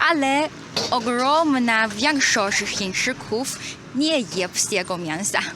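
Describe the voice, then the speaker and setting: The pace is very slow, yet the intonation is lively. Noticeable background noise runs underneath. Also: woman, high pitch for a woman. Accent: Chinese. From China. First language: Chinese (speaking Polish). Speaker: vlogger. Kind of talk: scripted explainer video. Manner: halting, with hesitations.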